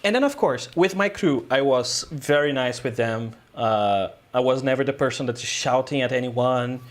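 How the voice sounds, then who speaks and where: A man's voice: medium pitch, normal speed. A man, a guest filmmaker telling a story in a casual interview, rambling loosely with lots of "uh" and "um". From Brazil.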